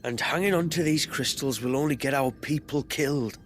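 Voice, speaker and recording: An actor playing a defiant tribal chief in a video game, speaking earnestly and emotionally. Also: male voice, medium pitch, normal speed, natural voice. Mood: resigned. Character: desperate, defiant young tribal chief, male. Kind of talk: dramatic game dialogue. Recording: music behind.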